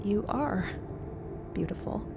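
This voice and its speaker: A woman's voice: medium pitch, expressive, slow pace, gravelly, background noise. A woman playing a flustered, lovestruck young space explorer in an audio drama, hesitant and incredulous. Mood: tender, awkward.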